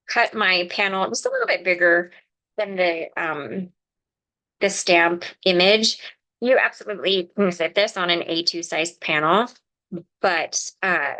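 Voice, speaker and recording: A woman's voice: medium pitch, fairly bright tone, poor audio. A woman hosting a live card-making stream in a chatty, explaining way, chatting with viewers by name and a little sniffly from a cold. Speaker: crafting livestream host. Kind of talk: casual live craft demonstration.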